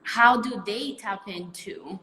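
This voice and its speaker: A woman from Venezuela, talking in a slow, hesitant, thoughtful way in casual conversation. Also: medium pitch, sharp tone, in a large hall, a little hiss or hum.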